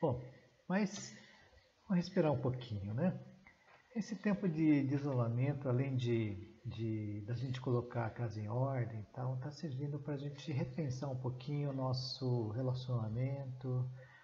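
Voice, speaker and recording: In a room with audible echo, a man with a dark, mellow, somewhat breathy voice talks at a medium pitch and a fairly slow pace, with ordinary pitch variation. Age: 50s. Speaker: pastor. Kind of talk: sermon. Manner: halting.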